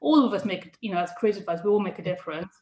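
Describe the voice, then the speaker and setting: A woman's voice: mid-range voice, expressive, darkish tone. Woman chatting in an echoey room. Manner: halting, many restarts and laughs. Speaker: prison careers adviser, interviewee. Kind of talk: casual interview chat.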